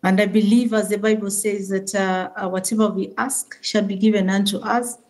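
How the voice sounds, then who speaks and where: A woman, the organisation's CEO, giving a formal speech full of prayers and blessings, with many pauses and fillers, joining remotely. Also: medium pitch, level tone, a little mellow. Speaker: SACCO CEO addressing members remotely. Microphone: remote link into the meeting.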